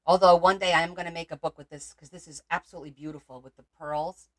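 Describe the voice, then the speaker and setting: A Portuguese woman hosts a crafting livestream, thinking aloud as she works and replying to viewer comments in casual chat. Her voice is lowish and fairly bright, with fairly even intonation and a fast pace.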